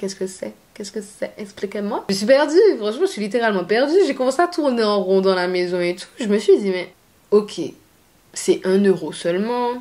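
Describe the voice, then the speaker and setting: A woman with a plain, everyday voice speaks at medium pitch and a fairly quick pace. Her intonation is lively, with big swings in loudness. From Guadeloupe. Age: 20s. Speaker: YouTuber. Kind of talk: storytime, casual talk to camera.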